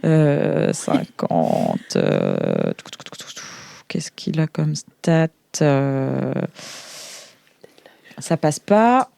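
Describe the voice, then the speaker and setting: A woman's voice: low-pitched, wildly swooping pitch, very slow, creaky, pauses often, dark tone. Casual woman running a tabletop game. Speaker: game master. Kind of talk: improvised tabletop roleplay narration, casual.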